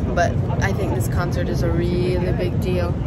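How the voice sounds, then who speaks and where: Loud background noise under a woman's dry voice with no echo. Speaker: vlogger. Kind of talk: casual vlog chat. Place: street. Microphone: phone near.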